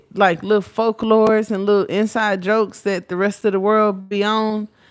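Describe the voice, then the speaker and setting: A woman speaks with a Texas accent. The recording is very clean, with a silent background. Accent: country Texas. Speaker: tarot reader. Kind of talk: tarot reading livestream. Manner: casual, conversational with profanity.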